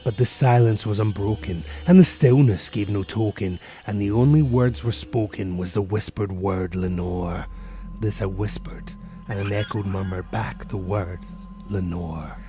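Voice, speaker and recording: A man narrating a gothic poem as a dramatic reading, with theatrical, deliberate phrasing. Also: fairly low pitch, over music.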